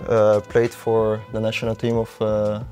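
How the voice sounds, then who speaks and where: A man's voice: lowish voice, monotone, moderate pace, a little mellow, soft background music. A young man from the Netherlands with a Dutch accent, a guest in a casual interview, speaking in a laid-back, hesitant way. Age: young adult. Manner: laid-back, hesitant with many ums and uhs. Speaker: guest footballer.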